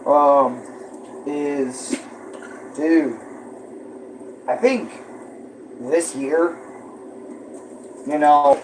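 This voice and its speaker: Rambling through a casual vlog in his home kitchen, a young man fills his talk with fillers, recorded by a tablet propped nearby over a noisy background. His voice sits on the high side, steady in tone, occasionally froggy, with drawn-out words and long pauses.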